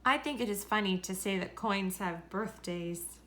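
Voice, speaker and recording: A woman reading a children's story aloud in a deliberate, expressive way. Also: mid-range voice. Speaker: story reader.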